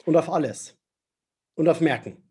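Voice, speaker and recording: A man being interviewed on a podcast as a memory trainer, animated and enthusiastic, laughing often. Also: a little high, moderate pace, slightly rough.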